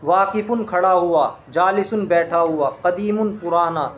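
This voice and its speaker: Male Arabic teacher with a high voice, patient drill-style delivery, faint noise behind. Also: a little slow, muffled recording. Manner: explains step by step, quizzes the listener with questions. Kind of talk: classroom grammar lesson.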